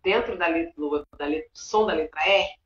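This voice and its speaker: A woman teacher from Rio de Janeiro, Brazil, with a Carioca Portuguese accent, co-hosts a live video chat in a hesitant, conversational manner. Her voice is fairly low and a little fast, and the recording sounds roomy and dull.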